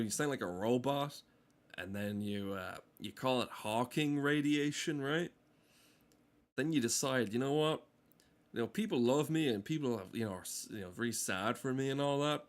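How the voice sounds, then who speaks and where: A man giving casual, rambling gameplay commentary, swearing freely and riffing with dark, irreverent humour. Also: medium pitch. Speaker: gameplay streamer. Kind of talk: casual, rambling commentary over game cutscenes.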